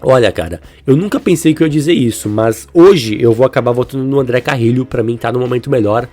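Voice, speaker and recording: Congested, sore-throated Brazilian man, husky voice. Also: mid-range voice, fast, warm tone. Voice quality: congested, stuffy-nosed, husky. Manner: conversational, opinionated. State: sick with flu, stuffy nose, inflamed throat. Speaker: football video host. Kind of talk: football commentary, player-by-player comparison. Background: music under the voice.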